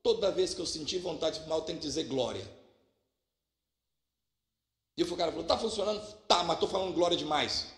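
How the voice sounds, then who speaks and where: A man preaching a lively, humorous sermon with a Minas Gerais accent, jumping from loud exclamations to quiet asides. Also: on the high side, fairly quick, vocal fry, long pauses. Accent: Minas Gerais Portuguese. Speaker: pastor. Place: church hall. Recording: echoey church hall.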